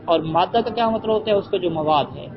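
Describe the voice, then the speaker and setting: A male teacher lecturing a class, explaining an Arabic text line by line, answering his own questions and reading the Arabic slowly. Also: high voice, a crowd in the background. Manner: asks rhetorical questions and answers them, reads Arabic phrases slowly. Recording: muffled with heavy background noise.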